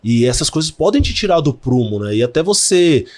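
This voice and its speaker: A man's voice: a little high, sing-song, brisk, darkish tone. A man hosting a podcast interview, talking in a conversational way. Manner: conversational, tags lines with "né". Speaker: podcast host. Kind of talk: interview questions.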